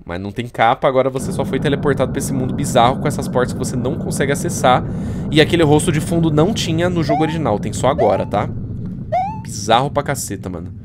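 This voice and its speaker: A man's voice: mid-range voice, fast, very noisy. A young Brazilian man giving casual, slangy, joking reaction commentary into a close desk microphone. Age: young adult. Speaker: YouTuber reacting to horror videos. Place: indoor streaming room. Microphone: close desk microphone on arm.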